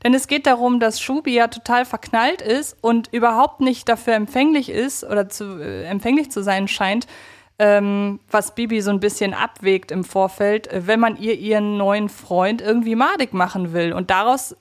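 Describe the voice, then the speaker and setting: A woman's voice: mid-range voice, moderate pace. A woman with a German accent co-hosting a fan podcast, talking conversationally in a reflective, wordy way and correcting herself as she goes. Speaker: podcast co-host.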